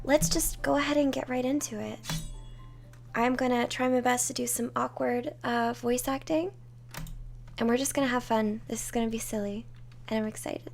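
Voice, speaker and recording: A woman's voice: on the high side, fairly even intonation, normal speed, vocal fry, soft background music. A woman hosting a let's play, introducing and narrating a story game. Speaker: gaming channel host.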